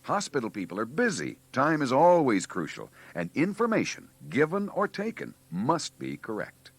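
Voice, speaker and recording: A man's voice: mid-range voice, huge pitch swings, moderate pace, breathy edge, no room sound. A man reading scripted narration for a 1980s training filmstrip, with a preachy, wry delivery.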